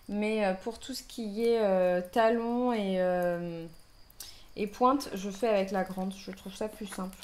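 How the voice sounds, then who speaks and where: A woman's voice: mid-range voice, a little mellow, a little hiss or hum. A woman hosting a knitting podcast, talking casually with lots of fillers and restarts. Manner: hesitant, many fillers and restarts. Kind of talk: casual chat.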